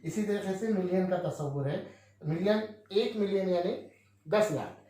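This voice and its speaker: A man's voice: sits high, normal speed, mellow, heavy reverb. A male teacher explaining a maths lesson, who asks questions and answers them himself with frequent checks on his listeners.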